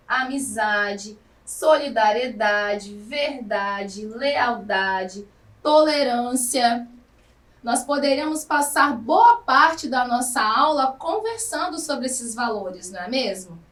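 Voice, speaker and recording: Brazilian woman teacher, high voice, slow careful lesson, echoey room a bit off mic. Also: a bit bright, far from the mic. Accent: Brazilian Portuguese. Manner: slow, careful, drawn-out words. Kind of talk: recorded lesson for adult students.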